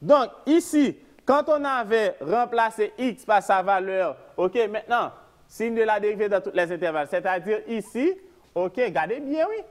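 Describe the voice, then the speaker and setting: A man's voice: sits high, expressive, moderate pace. A man with a Haitian Creole accent teaching a televised math lesson. He repeats key steps, mixes French with Creole, and keeps checking with the class. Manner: repetitive, questioning the class, mixing French and Creole.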